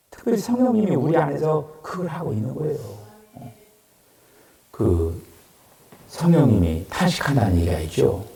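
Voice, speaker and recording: A man preaching a sermon in Korean, acting out quoted voices and swinging between loud and murmured lines. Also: a little high, creaky. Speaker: pastor. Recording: echoey room from far off.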